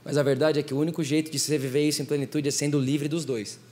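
A young man with a Brazilian Portuguese accent preaching a sermon, telling stories in an animated way and talking straight to the congregation. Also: on the high side, rapid-fire. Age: young adult.

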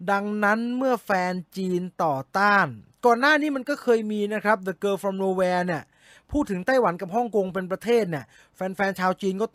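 A man hosting a casual movie news recap, chatty and given to sudden excited exclamations. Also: sits high, dry recording, studio quality. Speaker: movie news show host.

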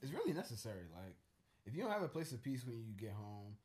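A man's voice: medium pitch, sing-song, fast, a little mellow. A man co-hosting a casual podcast chat, talking in a rambling, thoughtful way with many fillers and restarts. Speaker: co-host.

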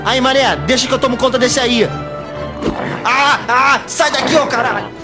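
A man's voice: extremely high pitch, normal speed, music in the background. A man playing a cocky, foul-mouthed young slacker with a Rio de Janeiro accent in an amateur radio drama, slangy and boastful. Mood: brash. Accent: Rio de Janeiro Brazilian.

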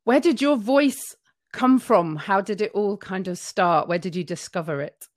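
A woman's voice: medium pitch, a little slow. A woman hosting a podcast interview, encouraging and affirming her guest with frequent yeahs. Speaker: podcast host. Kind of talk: casual interview chat.

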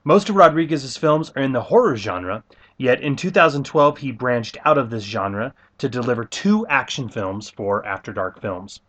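A man's voice: medium pitch, expressive, moderate pace, a bit bright. Upbeat male podcast host narrating. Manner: upbeat, enthusiastic. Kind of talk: scripted podcast intro narration.

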